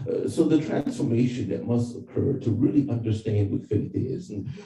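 A man's dark, mellow voice with vocal fry and ordinary pitch variation, plus audible room echo. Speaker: preacher. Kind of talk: sermon. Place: church.

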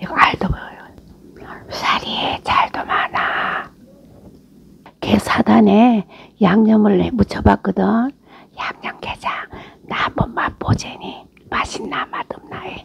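A woman whispers with a Jeju accent at a very slow pace, with long, frequent pauses and big swings in loudness. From Jeju, South Korea. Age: old. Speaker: home cook. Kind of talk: casual cooking talk to camera. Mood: relaxed, content. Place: home room.

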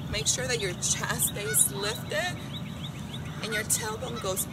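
Speech comes at a very slow pace over loud background noise. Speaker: fitness instructor. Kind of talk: guided group workout class. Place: open country.

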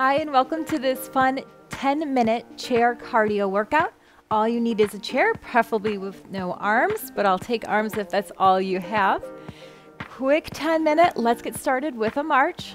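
A woman with lively intonation talks fairly slowly as music plays behind her. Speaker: fitness instructor. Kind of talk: workout instruction. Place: studio.

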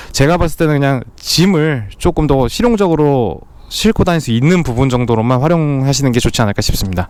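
A man's unremarkable speaking voice, fairly high in pitch, with lively intonation, a fairly quick pace and very even loudness. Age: 30s. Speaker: office worker, car owner. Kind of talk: interview answer.

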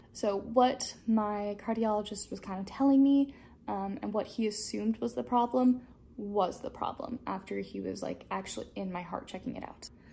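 A woman's dark, mellow tone is somewhat breathy, with ordinary pitch variation at a moderate pace. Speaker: vlogger. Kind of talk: casual vlog chat. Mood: calm, explanatory. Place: home room. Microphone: phone near.

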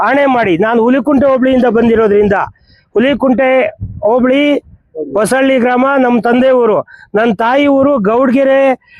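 A man's extremely high-pitched voice, very even in loudness, with fairly even intonation. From Sira taluk, Tumkur district, Karnataka. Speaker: politician. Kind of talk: public speech.

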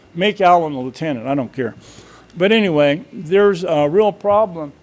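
Lively intonation and a moderate pace from a man with a high pitch, noticeable background noise behind him. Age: 60s. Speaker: public commenter at council meeting. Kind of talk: public comment. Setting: council chamber. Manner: rambling, jumping between topics.

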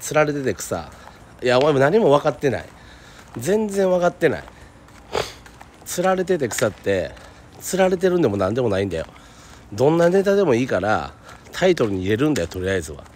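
Over light background noise, a man talks at a fairly quick pace with very wide pitch swings, the sound dry with no echo. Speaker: livestreamer. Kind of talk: casual vlog chat reading and answering viewer comments. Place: street. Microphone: phone near.

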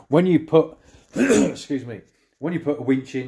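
At a moderate pace, the voice carries a dark, mellow tone. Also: man. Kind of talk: tutorial. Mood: casual, humorous. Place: garage. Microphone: phone near.

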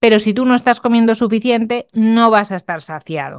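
A woman's fairly high voice, an unremarkable speaking voice, against a quiet background. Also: dry, close sound with no echo. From Galicia, Spain. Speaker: nutritionist, YouTuber. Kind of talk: casual commentary video.

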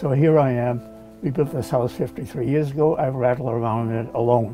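A man talking at a moderate pace over faint music in the background. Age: 80s+. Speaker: inventor. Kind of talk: interview answer. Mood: reflective, warm. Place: home room.

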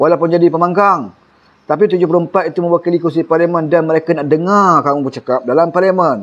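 This voice has an animated tone and ordinary pitch variation. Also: man. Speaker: political commentary livestreamer; political commentator. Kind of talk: casual live-stream commentary. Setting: office. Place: home room. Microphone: phone near.

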